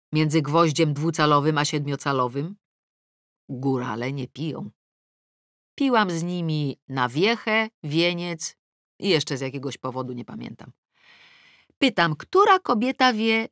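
A woman's voice: low voice, no room sound, studio quality. Wry woman narrating an audiobook. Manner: wry, lively storytelling with comic timing. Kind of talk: first-person audiobook narration. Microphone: close studio mic.

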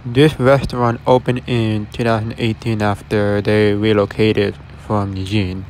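A man with a darkish, lowish voice narrates a slightly slow, flat tour of a closed restaurant, talking straight to his viewers. As a vlogger exploring shuttered stores, he stands outside a shopping center storefront with faint traffic in the background.

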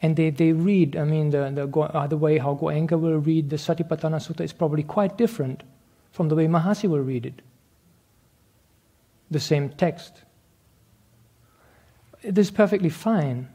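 A man who teaches meditation fields audience questions in a lecture Q&A, explaining earnestly and laughing often. His voice is on the high side and warm, at a normal speed with frequent pauses. A handheld mic gets passed around the room.

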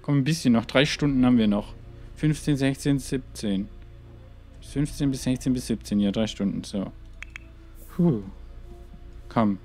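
A man's voice: mid-range voice, measured pace, long pauses, warm tone, faint music behind. Chatty man narrating a game. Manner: chatty, talks to his game characters, muttered asides and exclamations. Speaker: let's play host. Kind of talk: gaming commentary.

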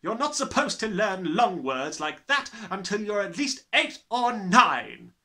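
A man voicing a huge, bullying headmistress, bellowing with scornful, drawn-out menace in a storybook reading. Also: high-pitched, very animated, pushed and bright, pitched above the performer's own voice, full character voice. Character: huge, bullying, furious tyrant headmistress, adult woman.

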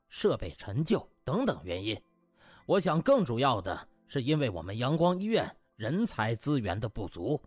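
A self-important male hospital vice director, acted by a male narrator in a comic audiobook. He lectures pompously and officiously, with expressive pitch, over faint music. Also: no room sound. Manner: officious speechmaking.

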